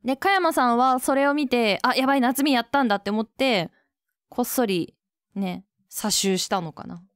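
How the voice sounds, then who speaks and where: A woman giving chatty, casual commentary while playing a game, reacting quickly between reading lines. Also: fairly high pitch, clear, resonant tone, no room sound, clean studio sound. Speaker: let's play host.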